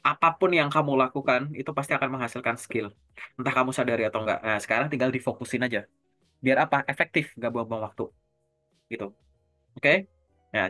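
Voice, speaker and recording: A man with a bright, forward voice coaches job seekers in an easygoing talk. He works through simple everyday examples and keeps asking his listener questions to pull her along. Soft music plays faintly underneath. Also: mid-range voice. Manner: keeps tagging sentences with a casual filler. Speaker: career coach.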